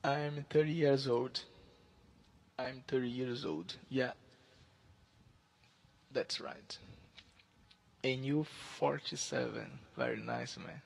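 Halting man, gravelly. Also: medium pitch, animated. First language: Portuguese. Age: 30s. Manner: halting, searching for English words. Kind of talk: casual chat with online stranger.

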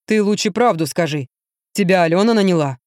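A woman voicing a heavy-set, slow-witted man who drawls and grumbles in a lower voice. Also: animated, darkish tone, no echo, studio quality, lightly acted. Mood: slow grumbling.

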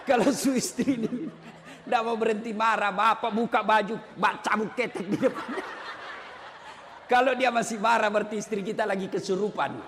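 A man preaching a humorous sermon to women, animated, joking and acting out wives' voices. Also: high voice, normal speed, background noise. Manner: animated, mimics wives, jokes. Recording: reverberant hall sound.

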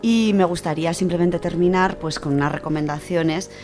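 A woman's voice: lowish voice, steady tone, normal speed, over loud music. A woman with an accent from Spain, chatting casually and reading verse as a radio contributor.

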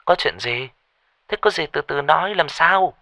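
A man's voice: a little high, expressive, normal speed, creaky, bright, forceful tone, no room sound, voice pushed up, full character voice. A man voicing a practical young woman who questions her frightened friend in a ghost story. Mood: concerned.

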